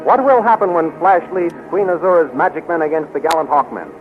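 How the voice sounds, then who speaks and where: A man's voice: fairly high pitch, expressive, a little fast, over music. A male announcer reading scripted 1930s radio narration in an emphatic, declamatory way. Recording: tinny, faintly noisy 1930s radio recording.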